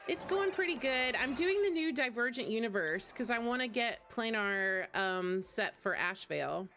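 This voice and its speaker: A woman's voice: a little high, lively intonation, moderate pace, sharp tone. A woman hosting a game livestream, chatting informally with viewers as she plays. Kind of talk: casual chat while gaming, replying to viewers. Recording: music playing behind the voice. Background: game music.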